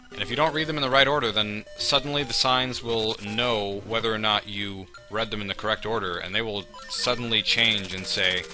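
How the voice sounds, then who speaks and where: A man's voice: medium pitch, rough recording. A man giving humorous commentary on a video game in a wry, sarcastic manner with exaggerated reactions. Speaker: let's play host.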